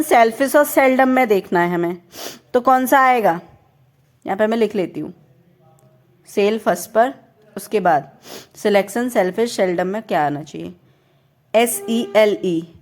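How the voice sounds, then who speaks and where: A young woman from India with a high voice teaches a reasoning lesson. She works through each question step by step and keeps checking whether the viewer is following. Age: young adult.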